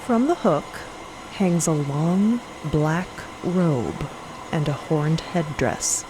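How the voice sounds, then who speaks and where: A woman's voice: low voice, expressive, very slow, noisy background. A woman narrating scripted audio fiction in a dramatic storytelling style.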